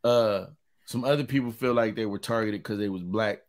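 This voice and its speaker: A man co-hosting a casual podcast chat, often restarting and trailing off mid-thought. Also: a little fast. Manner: trailing off, stumbling restarts, low-key interjections. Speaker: podcast co-host.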